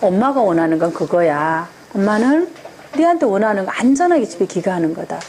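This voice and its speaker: A woman's voice: medium pitch, brisk, slight background noise. A woman teaching a parenting class, lecturing to a room of parents and asking them rhetorical questions. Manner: animated, asks the audience rhetorical questions. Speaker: parenting education instructor.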